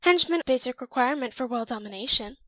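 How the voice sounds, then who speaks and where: High, theatrical scheming mirror clone played by a woman. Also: animated, quick pace, a bit bright, dry recording, dull audio. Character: mirror-born female clone, quirky aspiring world conqueror. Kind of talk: amateur audio drama acting.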